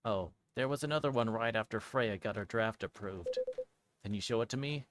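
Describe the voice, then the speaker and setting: A man streaming a playthrough of a visual novel, reading dialogue aloud and commenting casually in a hesitant, halting way. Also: lowish voice, a bit bright, a little hiss or hum. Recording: music behind the voice. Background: guitar music from the game.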